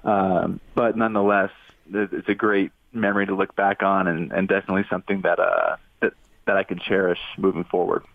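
A man in his twenties talks through a phone line, the sound thin and narrow. His voice sits low and dry. He stumbles and restarts often as he chats. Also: level tone, creaky, no echo. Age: 20s. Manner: halting, many restarts and fillers. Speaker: former quarterback guest. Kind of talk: casual radio interview call-in.

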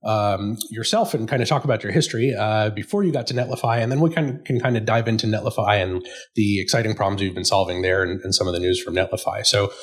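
A man's voice: lowish voice, fast talker. A man hosting a tech podcast, introducing his guest with plenty of fillers. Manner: friendly, many "uh" and "um" fillers. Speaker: podcast host.

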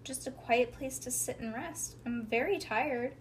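A woman reads as a self-centred boy grown weary in a storybook. He is blunt and plain-spoken, slow in pace, with faint noise behind him. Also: high-pitched, pitched above the performer's own voice. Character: self-centred demanding boy who grows old and weary. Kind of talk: picture-book read-aloud. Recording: home recording with background noise.

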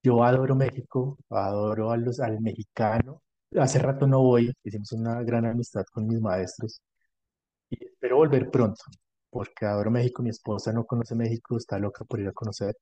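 A Colombian man speaks as an interview guest in a dark, relaxed voice of medium pitch. He explains his professional experience conversationally, in measured phrases. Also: no room sound, muffled recording. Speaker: podcast guest, dentist specialised in prosthodontics and implants.

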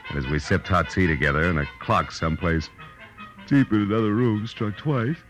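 Man playing a deep, hard-boiled radio private eye. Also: moderate pace, natural voice. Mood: wry narration. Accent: American. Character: hard-boiled male private detective, wry and patient. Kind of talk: 1940s radio detective drama acting. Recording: vintage 1940s radio broadcast with music.

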